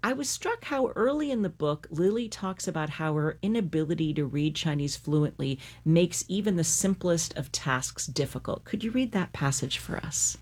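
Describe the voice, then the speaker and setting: A woman with a notably low voice hosts an interview. She asks an author curious, attentive questions about her work. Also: expressive, normal speed, few pauses, a little mellow. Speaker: interview host.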